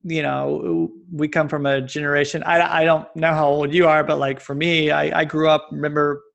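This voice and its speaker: Gravelly american guy in his 40s, kinda high voice, rambles n restarts a lot while telling stories. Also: normal speed, lo-fi sound. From United States. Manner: rambling, animated storyteller with many restarts. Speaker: guest, fitness coach. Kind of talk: casual interview chat. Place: lives in Japan.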